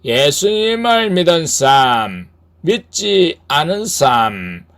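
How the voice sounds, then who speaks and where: A man's voice: fairly high pitch, sing-song, takes it slowly, a bit bright, pitched above the performer's own voice, exaggerated voice. A man voicing a sly male devil who coaxes and needles, in a storybook-style reading. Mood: coaxing. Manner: coaxing, needling.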